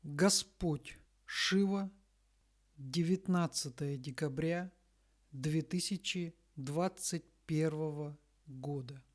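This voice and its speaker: A woman reading a scripted spiritual message in a solemn, deliberate manner, breaking it into short phrases with long pauses. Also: low voice. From Russia.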